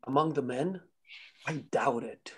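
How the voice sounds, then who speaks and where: An unbothered small-town mayor acted by a man with a mid-pitched voice. He brushes things off casually, deadpan and evasive, in a drama table read. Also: a little slow, slightly rough. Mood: dry.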